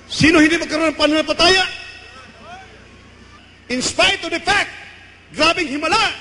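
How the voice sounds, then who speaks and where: A Filipino man with a Filipino accent, preaching a fervent Pentecostal sermon and shouting praise refrains in Tagalog and English. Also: extremely high pitch, normal speed. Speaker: evangelist preacher. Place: large church hall. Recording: church hall reverb, faint background noise.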